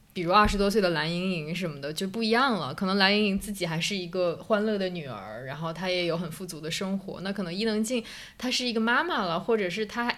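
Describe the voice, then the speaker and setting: A woman's medium-pitched voice at a very fast pace with hardly any pauses, ordinary pitch variation and audible room echo. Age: 20s. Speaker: media professional. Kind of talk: casual chat.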